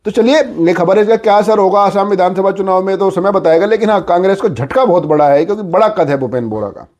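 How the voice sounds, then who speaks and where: High-pitched man delivering political commentary. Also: fast, a little mellow. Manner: conversational explainer with repeated filler phrases. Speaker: news commentator. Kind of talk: informal political news commentary.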